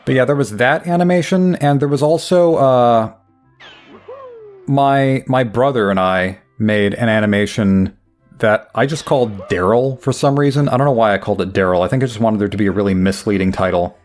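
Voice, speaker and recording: A man's voice: mid-range voice, normal speed, darkish tone, faint music behind. A young man giving rambling, wry, self-deprecating commentary while playing a game. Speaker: gameplay commentator. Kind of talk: casual let's play commentary.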